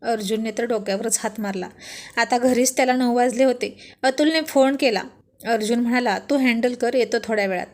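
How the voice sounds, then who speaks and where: Female storyteller for a romance serial, a bit high-pitched, chatty narration.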